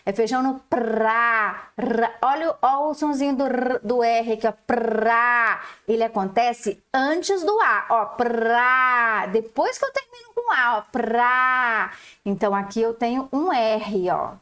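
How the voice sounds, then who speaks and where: Teacher lady, slow and stretched-out words, high lively voice. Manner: slow, drawn-out syllables, explaining. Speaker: primary school teacher. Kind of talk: recorded lesson for young children.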